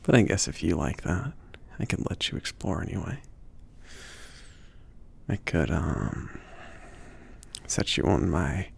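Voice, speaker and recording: A man playing a bashful, indulgent mage shopkeeper in an intimate ASMR roleplay, speaking in a breathy, gravelly half-whisper with a hesitant, gently teasing, rambling manner. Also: low voice, expressive, slow pace, pauses often, heavily acted. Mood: shy, playful. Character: soft-spoken, bashful, easygoing male mage shopkeeper, indulgent.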